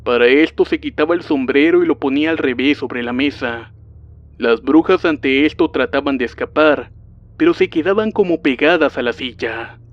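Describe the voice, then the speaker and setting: A man narrating a witch horror story in a calm, even storytelling voice. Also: fairly high pitch, normal speed. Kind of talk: scripted narration. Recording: dull lo-fi sound with faint music.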